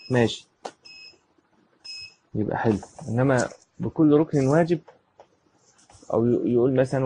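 A man's voice: medium pitch, a little mellow, breathy edge. A man with an Egyptian accent teaching Islamic law. He reads a line from a classical book and then explains it in everyday speech, often asking a question and answering it himself. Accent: Egyptian Arabic. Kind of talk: lecture explaining a classical text.

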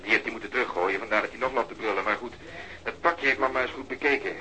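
An actor playing a teasing, long-winded male police colleague in a radio crime drama, telling things in a sly, drawn-out way. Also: fairly low pitch, sharp tone, low-quality recording.

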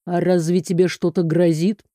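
A woman voicing an aloof aristocratic male lord in an audiobook, calm and mildly puzzled, close to her own voice. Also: lowish voice, normal speed, dry recording, pitched below the performer's own voice, close to an everyday voice.

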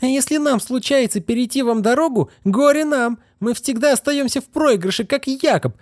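A man's voice: high-pitched, sing-song, normal speed, a little mellow, dry recording, studio quality, voice pushed up. A man voicing a defiant, scornful young woman who speaks with contempt. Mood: furious. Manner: contemptuous, furious outbursts. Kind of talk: audiobook character reading.

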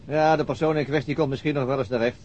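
A man's voice: medium pitch, steady tone, quick pace, darkish tone, natural voice. Reserved, laconic detective played by a man, muffled sound. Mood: dry, noncommittal. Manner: understated, terse, noncommittal. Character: reserved, laconic big-city homicide detective, dry and weary. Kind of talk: naturalistic Dutch radio drama acting. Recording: muffled, noisy radio drama recording.

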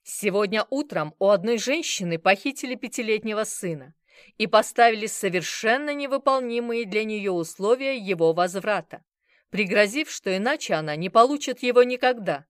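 A woman's voice: medium pitch, very animated, normal speed, fairly bright tone, no room sound, clean studio sound. A woman voicing a menacing male gang boss who barks threats and orders. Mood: threatening.

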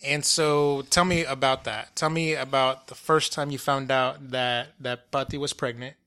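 Bright-voiced man hosting a podcast. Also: mid-range voice, level tone, normal speed, clean tone. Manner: easygoing, joking, swears casually. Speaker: podcast host. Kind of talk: casual podcast interview.

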